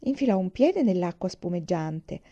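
A woman narrating a storybook aloud in an expressive, vivid reading. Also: lowish voice, moderate pace, lo-fi sound.

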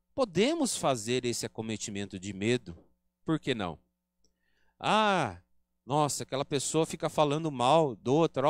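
A man's voice: medium pitch, no echo, clean studio sound. A man with a Brazilian Portuguese accent giving an earnest spiritist lecture at a spiritist center, teaching and acting out quoted remarks. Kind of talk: religious lecture.

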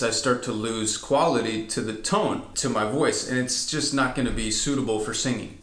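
This male vocal coach has a medium-pitched, slightly bright voice. In a singing lesson he explains chest, mix and head voice, occasionally demonstrating with sung whoops, and the room gives a roomy echo.

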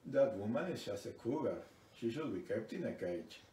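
An actor playing a smug, rich womanizing gentleman in a comedy scene. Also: mid-range voice, expressive, normal speed, lightly acted. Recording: echoey, distant, faintly noisy room.

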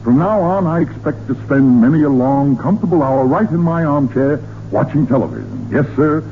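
A man's voice: on the high side, expressive, fairly quick, lightly acted. Man playing a flustered American radio dad, lo-fi. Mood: pleased. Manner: sputtering, repeating himself. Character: flustered middle-aged suburban father, easily exasperated. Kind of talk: 1940s radio comedy acting. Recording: muffled, noisy 1940s radio recording.

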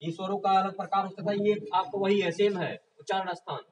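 Man, high-pitched teacher giving a classroom lecture, quizzing the class as he goes, recorded from a distance. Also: level tone, quick pace, crowd noise. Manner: asks the class questions and answers them himself, often repeating "confirmed?". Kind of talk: classroom lecture for exam prep.

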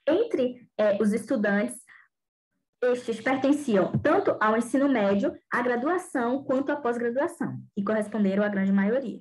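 A woman's voice: a little high, moderate pace, a little mellow, rough recording. A young woman, a graduate student, presenting her project slides over a webcam and reading steadily with small hesitations and fillers. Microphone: webcam video call.

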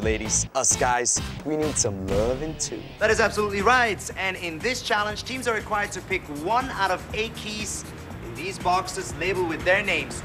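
High-energy young male TV host over music. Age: young adult. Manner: energetic, enthusiastic, playful. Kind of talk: upbeat TV presenting. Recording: TV showreel audio with loud music. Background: loud music.

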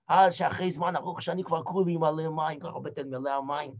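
An actor playing a shipwrecked old Hasid, telling his story in the first person and swinging from hushed murmurs to shouted cries. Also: on the high side, steady tone, natural voice. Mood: dramatic. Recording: dull lo-fi recording.

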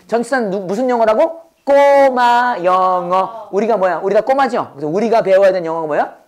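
Hoarse teacher drilling call-and-response. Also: medium pitch, animated, darkish tone. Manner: brisk, repeats prompts and has the class echo them. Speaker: English teacher.

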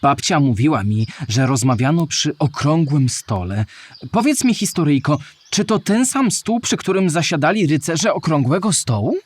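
A man's voice: a little high, sing-song, moderate pace, dry recording. A man playing a curious, naive young male listener who asks questions in a scripted children's audio play. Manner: inquisitive, naive.

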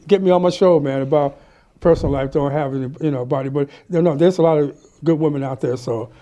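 A middle-aged man hosting a casual talk show in a small studio, animated, laughing often and stammering as he repeats words. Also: a little high, quick pace. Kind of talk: casual interview chat. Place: small studio set with city backdrop, indoors.

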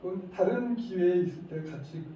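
Lively middle-aged man lecturing in echoey hall. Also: high-pitched, moderate pace. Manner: animated, acts out scolding parents, leads group recitation. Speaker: lecturer at a parents' academy. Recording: echoey hall, distant mic, dull faint noise.

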